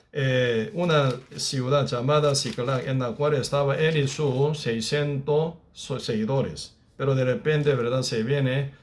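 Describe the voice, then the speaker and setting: Pastor, male, Bible study teaching; mid-pitched, keeps checking in with listeners. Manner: peppers speech with tag questions; reads scripture aloud at a slower pace.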